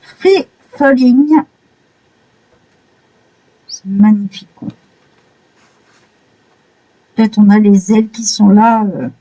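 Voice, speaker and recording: Mellow-voiced woman gushing over pages. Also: medium pitch, slow, pauses often, dull audio. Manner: admiring, exclamatory. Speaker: coloring book reviewer. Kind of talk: casual flip-through commentary.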